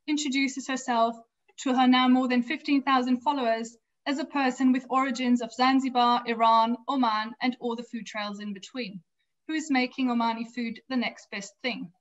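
A woman giving an academic lecture from a home office over a video call, reading prepared text in a measured way with small restarts. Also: a little high, steady tone. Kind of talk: academic lecture read from slides. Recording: slightly dull lo-fi video call audio.

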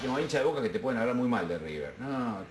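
A man being interviewed at home as a football fan, talking in a measured, reflective way. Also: mid-range voice, big pitch swings, reverberant, slight background noise. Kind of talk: casual interview.

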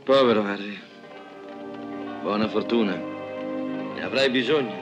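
An actor playing a sly, wheedling drifter in a dubbed 1960s western. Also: male voice, on the low side, slow pace, lo-fi sound. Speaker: wandering drifter and schemer. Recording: film soundtrack with music behind.

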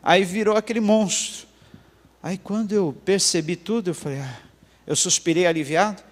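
Man preaching with long hall echo. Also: normal speed. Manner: dramatic storytelling, hushed low passages. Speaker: pastor. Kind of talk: sermon testimony. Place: church hall.

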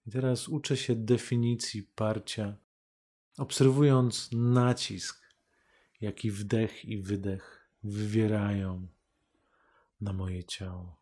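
A man leading a guided meditation as a teacher, calm and unhurried, speaking in measured phrases with long pauses. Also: lowish voice, breathy edge.

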